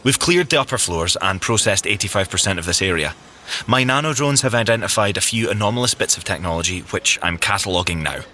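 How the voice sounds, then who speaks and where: An actor playing an excitable, geeky young Scottish tech agent in an audio drama, enthusiastic, fussy and expressive. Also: male voice, fairly low pitch, quick pace, a little hiss or hum. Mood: businesslike.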